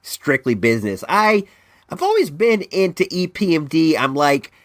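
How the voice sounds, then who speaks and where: A Northern Californian man hosts his own podcast, chatting casually and rambling with many restarts and animated ups and downs, his voice stuffed up by allergies. He speaks on the high side at a normal pace. The recording is dry and studio-clean.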